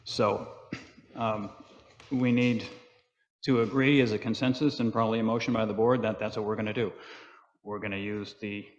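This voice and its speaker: A man's voice: lowish voice, steady tone, moderate pace. A man chairing a town planning board meeting, walking through motions and votes in a plain, procedural way. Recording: dull audio in a reverberant meeting hall.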